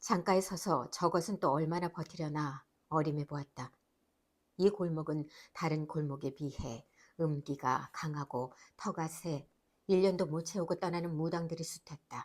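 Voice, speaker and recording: An ordinary speaking voice from a woman, fairly low in pitch, with fairly even intonation at a fairly slow pace in a very clean recording with a silent background. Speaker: voice actor, audiobook reader. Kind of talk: literary audiobook reading of a short story.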